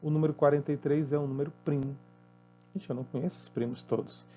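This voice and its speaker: A Brazilian man teaching math, walking students through exercises patiently and checking in with quick tag questions. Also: on the high side, fairly even intonation, mellow, muffled recording, soft background music. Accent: Brazilian Portuguese.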